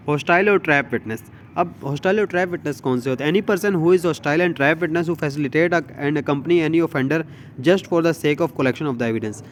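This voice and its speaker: A man's voice: fairly high pitch, a little hiss or hum. A man with a Pakistani accent giving an informal law lecture, reading from notes and explaining them while switching between two languages. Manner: switches between Urdu and English, repeats check phrases.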